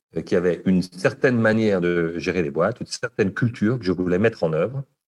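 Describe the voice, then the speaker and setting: Very deep, low-pitched, this man's voice moves with ordinary pitch variation. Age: 50s. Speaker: entrepreneur and author. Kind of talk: interview.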